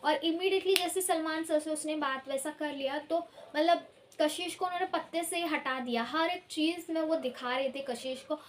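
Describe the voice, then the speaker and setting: A woman's voice: high-pitched, moderate pace. A woman reviewing a reality show in casual commentary, opinionated and often hesitating as she switches between Hindi and English.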